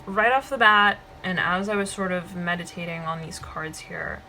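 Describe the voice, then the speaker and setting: A woman with a slightly hoarse voice gives a tarot reading to her viewers, meandering and checking in with "okay?" and "right?". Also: fairly low pitch, fairly even intonation, normal speed, pushed and bright, slight background noise, low-quality recording. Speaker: tarot reader.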